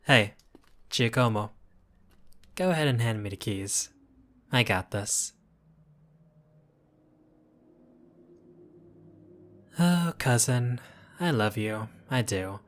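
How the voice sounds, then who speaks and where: A man's voice: medium pitch, animated, fairly bright tone. A man playing an apologetic, charming mafia boss in an audio roleplay, courteous and wry with a flirtatious streak. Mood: commanding, wry. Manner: unhurried, flirtatious, wry, addressing listener as doll. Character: apologetic, charming mobster, exasperated yet courteous. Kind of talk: intimate audio roleplay acting.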